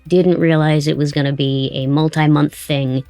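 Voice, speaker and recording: A woman's voice: deep voice, level tone, normal speed, warm tone, no echo, soft background music. A woman hosting a casual interview, chatty and attentive, with a self-deprecating way of talking. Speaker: interview host, audio drama director.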